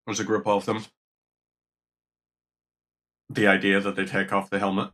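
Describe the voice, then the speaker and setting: A man's voice: fairly low pitch, monotone, moderate pace, a bit bright. A young man casually commentating on a game, jokey and rambling, swearing now and then. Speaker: gaming streamer. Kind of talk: casual commentary while playing.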